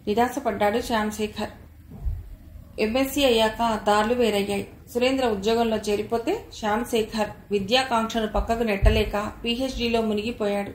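A woman reading an audio story aloud in a measured, even narration. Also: on the high side. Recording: roomy echo, faint background noise.

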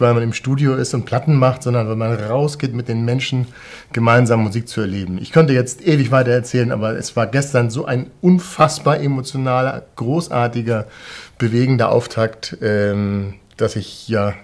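A man's voice: medium pitch, moderate pace. A man in his forties, a band musician, speaking to fans from a backstage room in an enthusiastic, emotional way, struggling for words. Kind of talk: casual address to fans.

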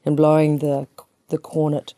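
A woman's voice: low-pitched, completely flat delivery, normal speed, noisy background. A woman in her fifties with a New Zealand accent, a psychotherapist introducing herself in a small studio with chatty, self-deprecating humor. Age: 50s. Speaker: psychotherapist guest. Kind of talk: relaxed personal introduction.

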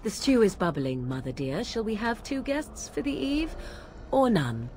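Casting: haughty young witch, drily sarcastic, mid-pitched with lively swings, fantasy game, faint background noise. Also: measured pace. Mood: arch. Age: young adult. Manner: arch, formal, drily sarcastic.

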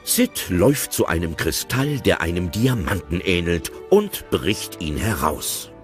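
A man calmly narrating the action in a German audio drama. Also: low-pitched, measured pace, soft background music. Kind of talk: scripted narration of a radio play.

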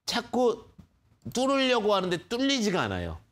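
A man's voice: extremely high pitch, huge pitch swings, moderate pace, fairly bright tone. A man hosting a live phone-in stock show, patiently explaining prices to callers with many fillers. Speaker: stock market expert host.

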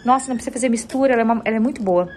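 A chatty Brazilian woman vlogging her home routine, her voice sitting a touch high. She talks to viewers in a homey, easygoing way and often slips into fond baby talk. There is a faint hum of the house behind her. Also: racing. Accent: Brazilian Portuguese. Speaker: homemaker vlogger. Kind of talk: casual chat to viewers while doing chores. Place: at home, indoors.

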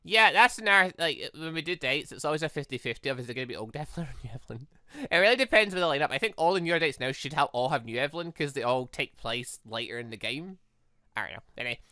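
A let's-play host with a bright voice and very animated pitch, recorded close and dry. The commentary is casual and rambling, with thoughts spoken out loud and corrected midway. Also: fast, no room sound. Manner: rambling, thinking aloud, self-correcting. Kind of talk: casual gaming commentary, reading visual novel text aloud.

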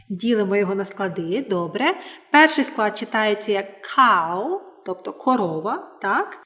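Woman, fairly high voice, patient teacher drilling English words aloud. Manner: patient, clear, repeats words for learners. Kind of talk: online language lesson.

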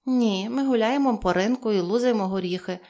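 A woman's voice: on the high side, fairly quick, dark tone, close to an everyday voice. A woman reading an audiobook and voicing a bold, cheerful little girl who exclaims playfully and grandly. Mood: cheeky.

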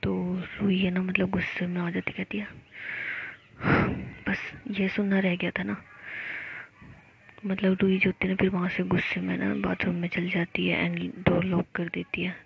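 A woman narrating a romance in a whispered role-play, in a soft whisper. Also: lowish voice, completely flat delivery, fairly quick, creaky, hardly any pauses, slightly rough, dull audio. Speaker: storyteller.

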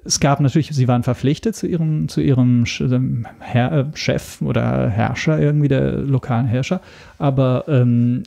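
A man with a soft-edged, dark voice and plenty of fry explains things in a casual interview. His pitch sits in the middle range. He talks haltingly, often searching for the next word. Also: fairly even intonation. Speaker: podcast guest.

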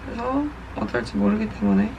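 A woman's voice: medium pitch, fairly even intonation, brisk, vocal fry, highs cut off, heavy background noise. A woman in her twenties talking casually and playfully as she narrates her day for a vlog. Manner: playful, chatty self-narration. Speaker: vlogger and broadcast reporter.

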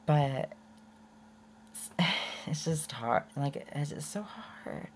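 A young woman rambling candidly in a casual unedited vlog, her voice prone to going hoarse. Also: sits low, lively intonation, drawn-out words, slight background noise. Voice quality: voice often goes hoarse. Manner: rambling and candid, with many restarts and laughs. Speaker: vlogger.

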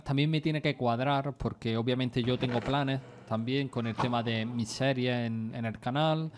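A man from Spain with a Spain Spanish accent, chatting loosely with his viewers as he plays a game. He rambles in a laid-back way, swears freely and bursts out in excitement. His voice sits at an ordinary middle pitch, with a faint hiss of noise behind it. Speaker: gaming streamer. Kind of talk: casual gameplay chat with viewers.

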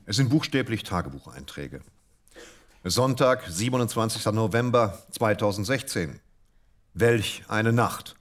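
A man co-hosting a show, reading funny diary entries aloud in a dry, measured way that builds to punchlines. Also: on the low side, animated. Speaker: co-host reading comic literature.

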